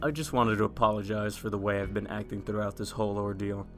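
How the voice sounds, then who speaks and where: A man's voice: fairly low pitch, level tone, quick pace, a bit bright, faint music behind, lightly acted. An actor playing an earnest, mild-mannered, apologetic newspaper man in an audio drama. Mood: sheepish, apologetic.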